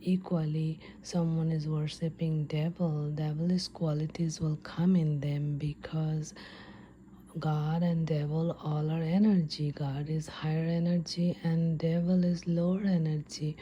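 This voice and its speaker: A woman whispering in a breathy, unvoiced ASMR storytelling style, hesitant and unscripted with drawn-out pauses. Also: sits low, little pitch movement, warm tone, highs cut off, slight background noise. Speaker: host of an ASMR storytelling channel.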